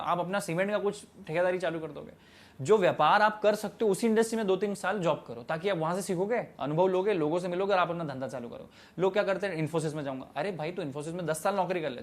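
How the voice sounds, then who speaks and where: In an interview, a young man in his twenties with a high voice gives emphatic, preachy answers about starting his tea stall business. He drops English phrases into his speech.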